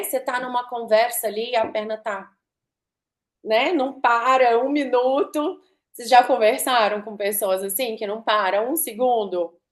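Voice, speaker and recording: A woman giving a live online talk, conversational, asking her audience rhetorical questions and shifting her pace and emphasis to demonstrate. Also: on the high side. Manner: varies pace and emphasis to demonstrate vocal technique. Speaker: speaker giving a talk on communication and sales.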